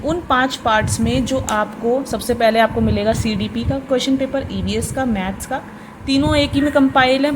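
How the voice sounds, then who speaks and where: A woman's voice: fairly high pitch, background noise. A woman teacher explaining an exam answer sheet step by step, repeating key points patiently and addressing viewers as friends. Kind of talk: explanatory tutorial lesson.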